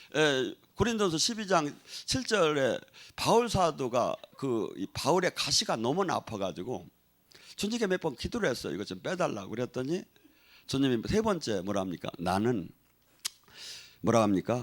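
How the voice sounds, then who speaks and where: A man's fairly high voice with a slight Chungcheong accent and vocal fry, very wide pitch swings, a moderate pace broken by long, frequent pauses, on a very clean recording with a silent background. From Chungcheong province, Korea. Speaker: pastor. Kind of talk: sermon. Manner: stutters a little.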